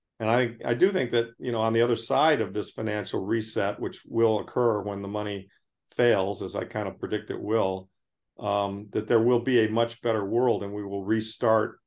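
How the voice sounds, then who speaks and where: A man speaks at medium pitch and a moderate pace with fairly even intonation. He has an ordinary speaking voice, and the background is quiet. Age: 60s. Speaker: fund manager. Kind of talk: casual interview about markets.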